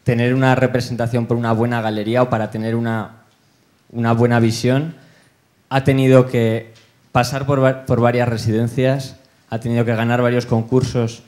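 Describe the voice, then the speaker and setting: A man interviewing on a panel, asking a long question in a measured way while searching for his words. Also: medium pitch, flat delivery, darkish tone.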